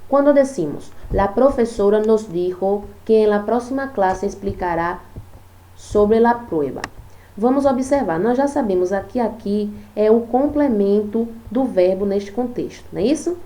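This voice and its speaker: Patient woman teaching, mellow voice. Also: medium pitch. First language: Portuguese. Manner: explains slowly and patiently, reading example sentences aloud. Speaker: Spanish teacher. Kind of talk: recorded online lesson.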